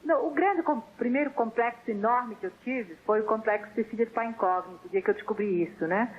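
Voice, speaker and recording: A woman's voice: a little high, fast talker, breathy edge. Portuguese woman on a tinny phone line. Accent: Portuguese (European). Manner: reflective, frank, self-mocking. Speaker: phone-in guest. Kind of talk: candid call-in conversation. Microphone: telephone.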